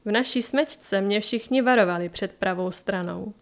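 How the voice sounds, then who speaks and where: A woman's voice: medium pitch, lightly acted. A woman voicing a sly, teasing male lion companion in a storybook reading, with a purring manner.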